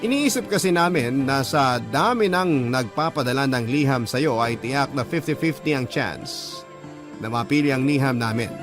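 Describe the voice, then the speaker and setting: A man's voice: medium pitch, moderate pace, music in the background, close to an everyday voice. A man playing a gay man in his twenties, telling his life story as a scripted, sentimental first-person letter. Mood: earnest, chatty.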